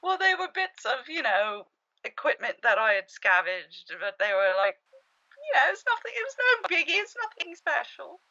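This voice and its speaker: A woman performs a plucky young scavenger for a cartoon spoof. Her voice is high and bright, a little muffled by the recording. She talks haltingly and self-effacingly, flustered but upbeat, like someone in casual conversation. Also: very animated, full character voice.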